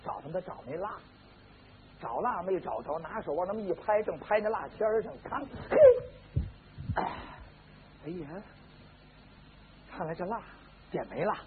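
Man voicing a sly scheming manservant, low muttering, lively swings, tinny lo-fi sound. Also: normal speed, pauses often. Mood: startled. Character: [a man doing] a scheming young male servant, crude and sly. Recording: lo-fi phone-like band with faint hiss.

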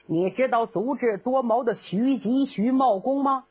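A woman's voice: fairly high pitch, unhurried, darkish tone, breathy edge, dull audio. Woman doing a bragging old general. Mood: blustering. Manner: bragging, comic bluster. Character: boastful blustering old male general.

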